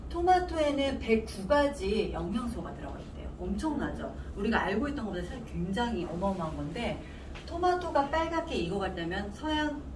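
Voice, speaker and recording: A woman presents product information like an informal class, with a very lively, swinging intonation. She repeats key terms and puts questions to her listeners. The recording is roomy and clearly noisy, with her voice a little away from the mic. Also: medium pitch, a little fast, hardly any pauses, recorded from a distance. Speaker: product presenter teaching supplement ingredients.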